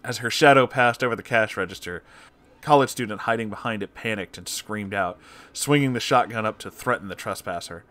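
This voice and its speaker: A man's voice: fairly low pitch, brisk, fairly bright tone. A man reading comic horror fiction aloud as a narrator, in a scripted, dramatic storytelling style.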